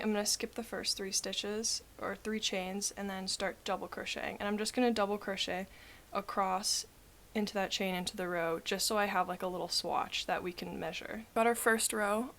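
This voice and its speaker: A woman's voice: medium pitch, steady tone, moderate pace. A woman, sounding sniffly and talking through a crochet tutorial in a chatty, rambling way full of fillers. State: sniffly with a cold. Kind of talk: casual spoken tutorial.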